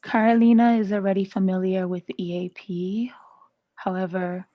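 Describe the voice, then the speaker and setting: A woman's voice: medium pitch, steady tone, moderate pace, dry recording. A woman teaching a live online class, chatty and laughing often with students over a video call. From Canada. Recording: slightly muffled dry video-call audio.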